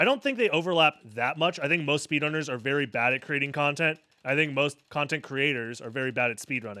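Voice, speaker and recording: The man speaks at a very fast pace. His pitch is fairly high. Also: ordinary pitch variation. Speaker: speedrunner and streamer. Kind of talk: casual livestream chat. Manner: projected, as if to a room.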